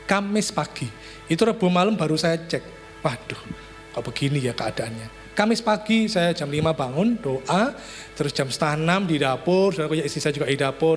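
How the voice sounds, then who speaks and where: A middle-aged pastor delivers his sermon in a high, bright voice. He leans into personal stories and keeps turning to address the congregation directly. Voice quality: lively storytelling, addresses congregation as brother.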